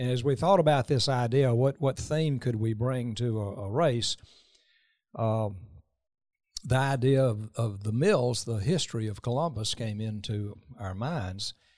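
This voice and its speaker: With a very clean recording and silent background, a man in a normal speaking voice talks at a fairly slow pace, medium in pitch with ordinary pitch variation. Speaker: runner and race organizer. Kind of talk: casual interview. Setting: studio.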